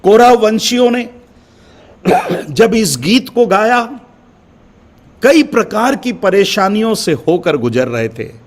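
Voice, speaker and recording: A male pastor from India delivering a sermon with emphatic repeated refrains, calling his listeners beloved. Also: high voice. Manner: addresses listeners as beloved brothers and sisters.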